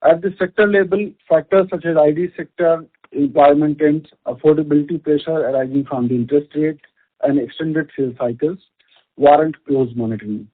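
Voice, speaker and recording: Indian accent guy reading an earnings script, kinda raspy, formal and measured, muffled lo-fi conference call sound. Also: a little high, steady tone. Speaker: company executive presenting results. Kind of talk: scripted corporate earnings presentation. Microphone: conference call line. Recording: muffled band-limited conference call audio.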